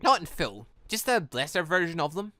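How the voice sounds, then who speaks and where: A dutiful young male team leader read by a man in a visual novel, guarded and careful with his words. The voice is bright and plain, in a dry recording. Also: fairly high pitch, very animated, moderate pace, no echo, faint music behind. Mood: reluctant, firm. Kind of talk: visual novel character reading.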